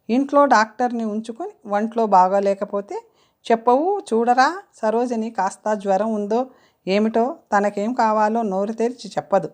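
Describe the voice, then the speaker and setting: A woman's voice: fairly high pitch, a little mellow, voice pushed up, lightly acted. A woman reading a fussing, chiding older mother. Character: older mother, kindly and scolding. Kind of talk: audiobook character reading.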